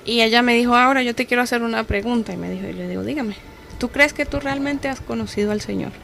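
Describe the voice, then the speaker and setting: A woman's voice: a little high, quick pace, gravelly, a bit bright, faint music behind. A young woman with a Dominican accent giving a personal faith testimony as a radio guest, telling her story earnestly and acting out the dialogue she quotes.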